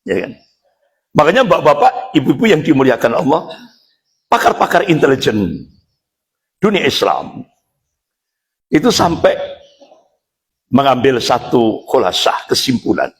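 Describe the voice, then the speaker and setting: A middle-aged man from Indonesia, a Muslim preacher giving an emphatic, animated religious lecture to a congregation and addressing them directly. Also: medium pitch, measured pace, long pauses. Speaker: Islamic preacher.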